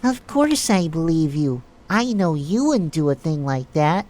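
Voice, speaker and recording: A woman's voice: low-pitched, very animated, a little slow, a little mellow. A woman playing an earnest, trusting, mildly exasperated nurse in an audio drama, with a polite, questioning way of talking. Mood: earnest, reassuring.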